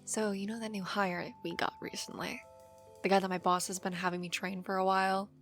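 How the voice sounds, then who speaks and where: A woman playing an affectionate, teasing working wife in an ASMR audio roleplay, chatty and expressive. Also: medium pitch, a little fast, soft background music, lightly acted. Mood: exasperated venting.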